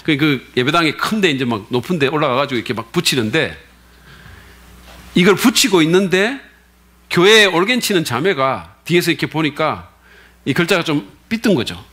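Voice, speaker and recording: A man's voice: on the high side, big pitch swings, brisk, pushed and bright. A male pastor preaching a Sunday sermon in a conversational way, often putting questions to the congregation.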